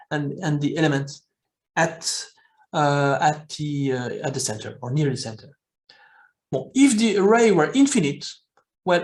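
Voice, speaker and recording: Belgian man giving a halting lecture. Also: fairly high pitch. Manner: halting, repeats words, checks with "okay?". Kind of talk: technical lecture.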